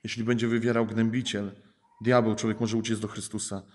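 A male preacher delivers a sermon in a level, steady voice that stays in a narrow pitch band. He presses his points through repeated phrases and rhetorical questions to the congregation. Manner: measured preaching, rising emphasis in repeated phrases.

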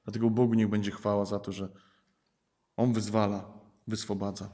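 Man preaching a sermon, pretty flat delivery, keeps repeating phrases for emphasis, asks the church questions. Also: on the low side, normal speed. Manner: rhetorical questions to the congregation.

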